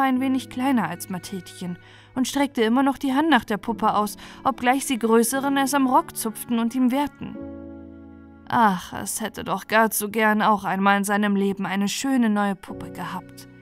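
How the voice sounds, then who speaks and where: A woman's voice: fairly high pitch, normal speed. A woman narrating a bedtime fairy tale as a storyteller. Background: music.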